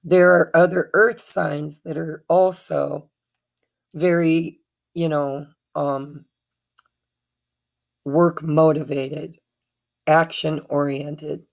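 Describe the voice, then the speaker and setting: A woman with a rough, hoarse voice talks her way through a tarot reading. She speaks slowly in a lowish, gravelly tone. Her delivery is chatty and meandering, full of fillers and self-corrections. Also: a little mellow. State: hoarse from allergies. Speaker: tarot reader. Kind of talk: casual tarot card reading.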